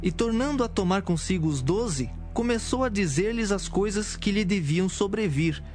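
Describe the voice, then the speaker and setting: Male narrator for dramatized scripture, fairly high voice, light musical bed. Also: animated, normal speed, a little mellow, soft background music.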